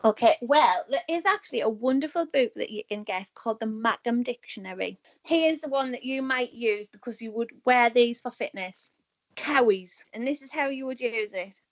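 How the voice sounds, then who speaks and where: A woman's voice: on the high side, lively intonation, moderate pace, hardly any pauses. A woman, a podcast guest chatting casually over a video call, wry and easygoing with frequent laughter. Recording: muffled video-call audio.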